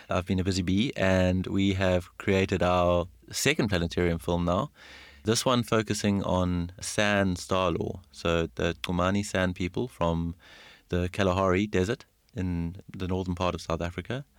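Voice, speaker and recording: A man co-hosting an astronomy podcast, relaxed and chatty, laughing often at himself. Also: low voice, a little slow, no room sound. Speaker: podcast co-host, science engagement astronomer. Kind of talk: casual chat.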